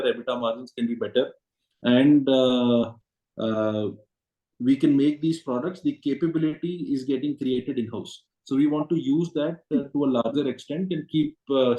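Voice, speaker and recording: A man with an Indian accent answering as a company executive on an earnings call, explaining things in a measured, hesitant way. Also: medium pitch, mellow. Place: conference call. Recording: roomy echoing conference call audio.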